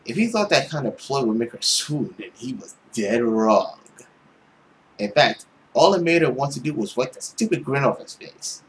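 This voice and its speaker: A man's voice: medium pitch, very animated, moderate pace, a little hiss or hum, poor audio. A young man reading a visual novel aloud as a let's play host, reacting in a playful, exclamatory way. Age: young adult.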